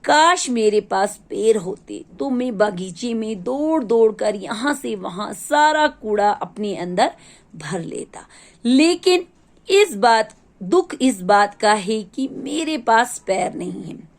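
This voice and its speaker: A woman voicing a helpless male garbage bin that pleads slowly in a children's storybook reading. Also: on the high side, expressive. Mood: pleading.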